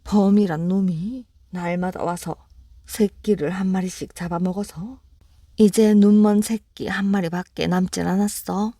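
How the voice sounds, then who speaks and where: A woman's voice: mid-range voice, fairly even intonation, a little slow, dark tone, no echo, studio quality. A woman voicing a mother magpie in a bedtime storybook reading. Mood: sorrowful. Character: frightened grieving mother magpie.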